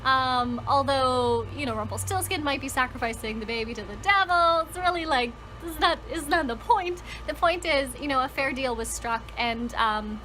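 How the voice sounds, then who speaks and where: A woman's voice: sits high, normal speed, few pauses, pushed and bright, slight background noise. A woman talking casually and enthusiastically to viewers as a book vlogger, conversational and leaning on words for emphasis. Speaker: book vlogger and storytelling channel host.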